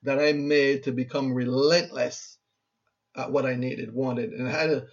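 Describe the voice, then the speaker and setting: A man's voice: medium pitch, steady tone, measured pace. A Barbadian man in his fifties giving an earnest motivational talk as a speaker and radio host, urging listeners and repeating himself for emphasis. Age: 50s. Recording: muffled lo-fi recording.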